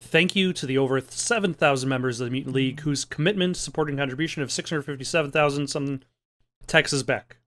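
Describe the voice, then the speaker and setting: A man hosting a let's play with casual, improvised commentary, thinking aloud in a halting way. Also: mid-range voice, fairly bright tone. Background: music.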